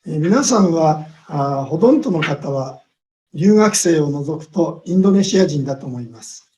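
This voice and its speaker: A man delivers a lecture over a video call, speaking in short, measured phrases. His voice sits a little high yet sounds dark and mellow. He pauses often with drawn-out fillers, leaving room for an interpreter. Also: expressive, muffled recording. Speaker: guest speaker.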